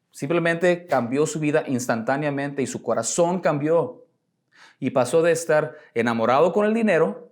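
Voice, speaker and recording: Conversational male preacher. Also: on the high side. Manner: conversational preaching with rhetorical asides and light jokes. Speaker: pastor. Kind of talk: sermon.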